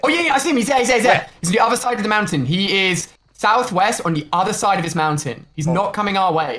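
A man with an English accent talks at a fairly quick pace, his pitch high and his intonation lively. He hardly pauses at all. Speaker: gamer playing squads.

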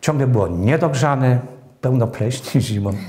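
Recorded with audible room echo, a man's somewhat breathy voice carries a dark, mellow tone and ordinary pitch variation. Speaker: retired university lecturer. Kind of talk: interview. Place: studio.

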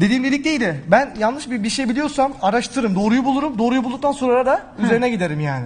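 The delivery comes at a very fast pace. Pitch variation is ordinary. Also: man, extremely high pitch for a man. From Hatay, southern Turkey. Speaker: künefe cook; guest. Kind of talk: cooking demonstration. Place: studio. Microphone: lapel.

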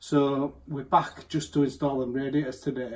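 A somewhat breathy man's voice, dark and mellow in tone, over a quiet background. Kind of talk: casual vlog chat. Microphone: phone near.

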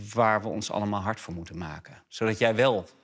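A man's fairly low-pitched voice over a quiet background. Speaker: screenwriter and director. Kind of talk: casual chat. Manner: halting. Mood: thoughtful, somewhat dismayed. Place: studio.

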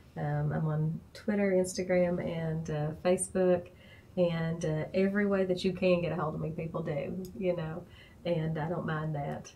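The speaker has an Appalachian accent and talks at a moderate pace. The intonation stays monotone and flat. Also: woman, fairly low pitch for a woman. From eastern Kentucky. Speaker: state legislator; guest. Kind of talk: interview. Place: studio.

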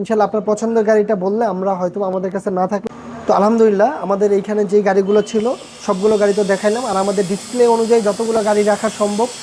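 Light background noise sits behind a man whose high-pitched voice keeps a monotone, flat intonation. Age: young. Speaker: car showroom owner. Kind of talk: sales pitch. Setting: car showroom. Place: shop. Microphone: lapel.

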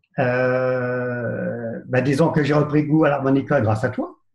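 In a quiet background with audible room echo, a man speaks at a very slow pace, somewhat breathy and with fairly even intonation. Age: 70s. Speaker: harmonica student. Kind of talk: casual self-introduction. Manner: halting, many hesitations. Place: home room. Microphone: video call.

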